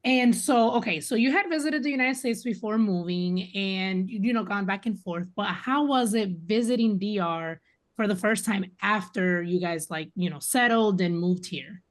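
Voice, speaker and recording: A woman's voice: medium pitch, normal speed. A woman with a mid-range voice hosts a podcast interview. She is friendly and affirming, reworking her questions as she goes. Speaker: podcast host. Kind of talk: casual interview.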